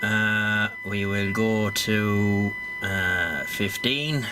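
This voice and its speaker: A man's voice: fairly low pitch, extremely slow, heavy background noise. A man talking casually through a radio repair demonstration at his workbench, rambling with lots of fillers. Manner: rambling and conversational, with many fillers.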